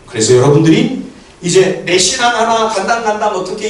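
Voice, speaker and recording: The pace is moderate as a man speaks. Audible room echo and noticeable background noise surround him. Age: 50s. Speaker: pastor. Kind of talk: sermon. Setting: church.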